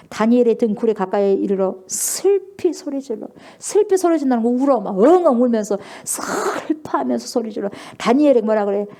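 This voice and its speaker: A woman's voice: medium pitch, mellow. A woman pastor preaching a sermon, speaking emphatically, asking the congregation questions and acting out scripture with feeling. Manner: emphatic, asks the congregation questions and acts out scripture with rising emotion.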